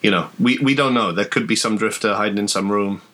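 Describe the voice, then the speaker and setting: A man's voice: lowish voice, a little fast, a bit bright. A man playing in a tabletop game, chatting and thinking aloud about the plan. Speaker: player. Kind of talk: casual chat at a tabletop game.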